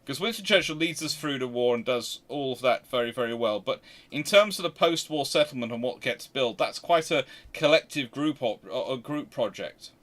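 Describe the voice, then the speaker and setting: A man's voice: medium pitch, animated, moderate pace, hardly any pauses, a bit bright. A man hosting an unscripted history discussion, talking emphatically and rambling, often restarting his sentences mid-thought. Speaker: host and naval historian.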